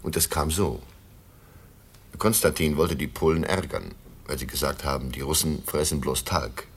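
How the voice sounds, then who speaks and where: A man's voice: very deep voice, moderate pace, breathy edge, heavily acted. An actor playing a jovial, worldly traveling businessman in a German radio play, opinionated and fond of anecdotes and maxims. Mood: genial storytelling.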